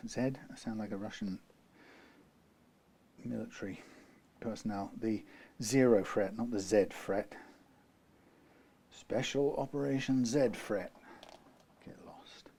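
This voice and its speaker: A man's voice: on the low side, takes it slowly, warm tone, breathy edge. A man from the UK working through a guitar repair, talking in a rambling way, correcting himself and dropping dry asides. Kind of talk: workshop how-to narration.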